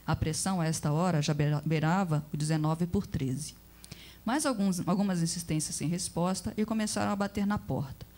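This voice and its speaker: A woman reading a story aloud with expressive, measured narration. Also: lowish voice.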